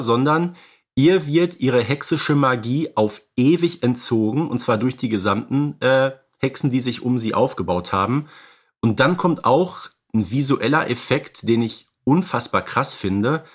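A man's voice: medium pitch, a little slow, husky. A man co-hosting a film analysis podcast, talking conversationally and emphatically, repeating words for stress. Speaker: podcast co-host.

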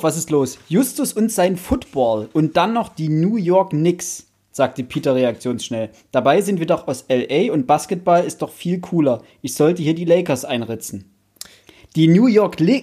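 A young man co-hosting a casual book podcast, talking in a playful, halting way and acting out examples. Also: a little high, dark tone, slightly rough. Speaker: podcast co-host.

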